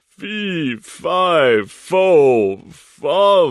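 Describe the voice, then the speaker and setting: A man puts on a character voice pitched high. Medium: read story. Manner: gruff.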